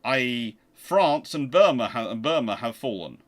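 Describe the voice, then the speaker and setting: A man with a mid-pitched voice talks casually as the host of a live question-and-answer session. He speaks emphatically and makes his points by posing rhetorical questions. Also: lively intonation, normal speed. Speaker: host of a naval history channel.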